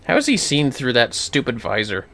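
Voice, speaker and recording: A man's voice: medium pitch, wildly swooping pitch, moderate pace, bright, forceful tone. A man giving casual livestream commentary on a game, chatting in informal asides with some swearing.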